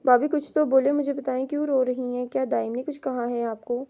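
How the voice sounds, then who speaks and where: A breezy young man full of quick questions, voiced by a woman narrating an audio novel. His voice runs high and mellow, easygoing and anxious by turns. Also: flat delivery. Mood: worried. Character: carefree teasing young man, worried brother-in-law.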